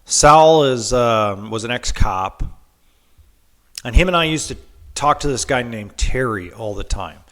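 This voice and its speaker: A man's voice: mid-range voice, expressive, a little slow, fairly bright tone. A man with a head cold hosting a podcast, telling a story in a casual monologue, full of ums and restarts. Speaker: podcast host.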